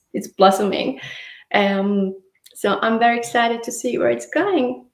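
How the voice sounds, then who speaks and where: A woman with a Danish accent, fairly high pitch, fairly slow pace and ordinary pitch variation. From Denmark. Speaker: interview guest, painter. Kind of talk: casual interview.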